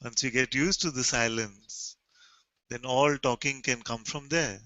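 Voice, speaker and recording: A man with an Indian accent, answering questions as a spiritual teacher in a calm, gentle way. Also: mid-range voice, unhurried, no room sound, dull audio.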